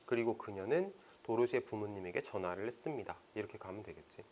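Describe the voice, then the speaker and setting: Lively male English tutor. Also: slight background noise. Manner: explains line by line, reads English sentences slowly; lively pitch, casual teacher's speech. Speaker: English teacher. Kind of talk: exam passage explanation lesson.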